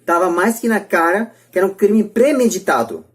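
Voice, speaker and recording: A woman's voice: medium pitch, expressive, moderate pace. A Brazilian woman hosting a podcast debate, speaking in an emphatic, repetitive, opinionated way. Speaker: podcast host.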